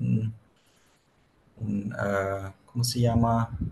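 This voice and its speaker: A man's medium-pitched voice at a very slow pace. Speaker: architecture lecturer. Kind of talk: lecture. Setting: video call. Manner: halting, many fillers.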